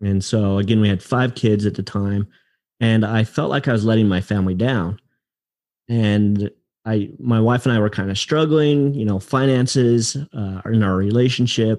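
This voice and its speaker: A man with a normal speaking voice, fairly low in pitch, at a moderate pace with ordinary pitch variation over a quiet background. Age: 40s. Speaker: achievement coach and podcast guest. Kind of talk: casual interview.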